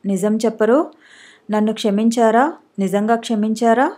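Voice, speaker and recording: A woman's voice: fairly high pitch, normal speed, darkish tone, lightly acted. Woman reading a frail, remorseful sick wife. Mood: tearful pleading. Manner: tearful, pleading. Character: frail remorseful young wife, gravely ill.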